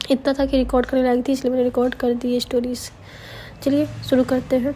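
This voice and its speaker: With noticeable background noise behind her, a woman talks fairly quickly in a high, flat, monotone voice at very even loudness. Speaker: storyteller. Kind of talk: storytelling. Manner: casual conversational narration.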